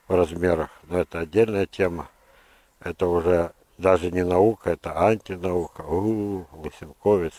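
Deep-voiced older man, halting gardener. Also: a little mellow, no echo. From Russia. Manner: halting, digressive, opinionated. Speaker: gardener presenting his orchard. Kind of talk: unscripted instructional monologue. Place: outdoors in a hillside orchard.

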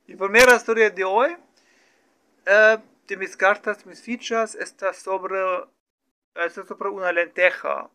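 A man practicing Spanish as a learner, talking slowly through an improvised story with many fillers, restarts and self-corrections. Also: sits high, fairly even intonation, pushed and bright, clean tone. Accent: non-native Spanish learner. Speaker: language learner streaming his practice. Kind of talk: halting improvised practice talk.

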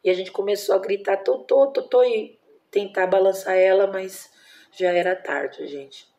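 A woman's voice: mid-range voice, normal speed, dark tone. A Brazilian woman in her forties, a mother telling a personal story at home in a casual vlog, emotional and tender, full of diminutives and fillers. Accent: Brazilian Portuguese. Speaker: vlogger, mother.

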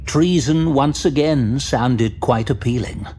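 A man narrates a fantasy tale in a dramatic, scripted style. His voice is of medium pitch, with music playing clearly behind it. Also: takes it slowly, mellow.

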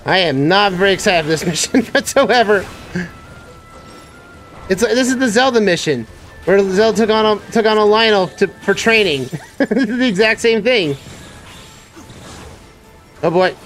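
A man streaming a video game live, reacting excitably with frequent exclamations and laughter. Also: high-pitched, moderate pace, pauses often, faint music behind. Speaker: gameplay streamer. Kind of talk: live gameplay commentary.

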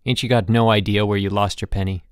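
Man voicing a gruff, low farmer father. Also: steady tone, fast talker, dry recording, clean studio sound, lightly acted. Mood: halting, grave. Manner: terse, plain-spoken, rustic.

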